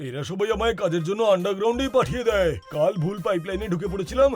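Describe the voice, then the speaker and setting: A brisk, fairly high voice for a chatty cartoon friend, grumbling good-naturedly. Faint music runs underneath. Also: male voice, animated.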